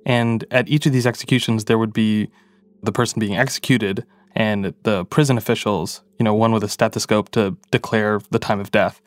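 A man's voice: on the low side, fairly even intonation, moderate pace, no echo, soft background music. A man, a podcast producer, narrating a story in a casual, reflective way with frequent fillers.

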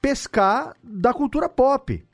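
A man's voice: very high-pitched, animated, slow pace, vocal fry, soft background music. A man with a Brazilian Portuguese accent hosting a casual podcast, explaining things informally and often repeating words. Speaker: podcast host and audio drama editor.

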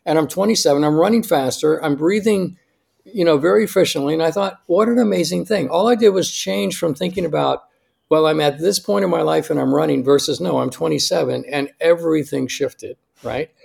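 An American man in his sixties speaking as a podcast guest in a conversational, emphatic way, often checking in with a quick "right?". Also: fairly high pitch, gravelly, darkish tone, breathy edge. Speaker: podcast guest, longevity doctor. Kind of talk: conversational interview, personal anecdotes.

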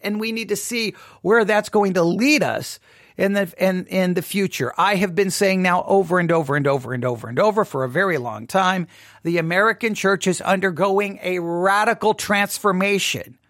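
Man, podcast host, high-pitched, dry close mic, earnest, repetitive. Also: fairly bright tone, no echo. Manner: earnest, repetitive emphasis, frequent restarts. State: voice briefly giving out. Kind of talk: solo commentary podcast.

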